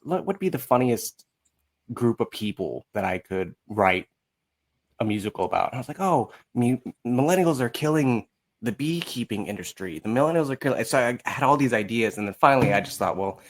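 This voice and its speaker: A man in his thirties with a slightly low voice. He chats casually as a guest, wandering through his thoughts and slipping into quoted bits of dialogue. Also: expressive, brisk. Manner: rambling, often quotes himself and others in dialogue. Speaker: podcast guest, musical writer. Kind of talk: casual chat.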